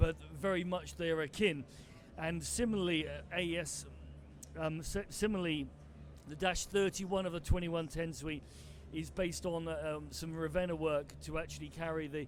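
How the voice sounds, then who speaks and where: A man speaks at a moderate pace, pausing long and often, with room echo audible. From UK. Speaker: broadcast technology engineer. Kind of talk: conference talk. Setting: trade show stage with PA.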